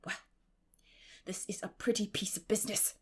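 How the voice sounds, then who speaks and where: A woman voicing a stern, practical older woman with a brisk, no-nonsense way of speaking in a storybook reading. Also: medium pitch, steady tone, slightly rough, close to an everyday voice. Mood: brusque, reluctant.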